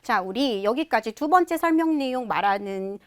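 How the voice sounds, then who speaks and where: A woman's voice: fairly high pitch, expressive. Patient woman teaching English pronunciation. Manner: models English sentences slowly and deliberately; explains stress and vowel length patiently. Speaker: TOEFL speaking teacher. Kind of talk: online lecture.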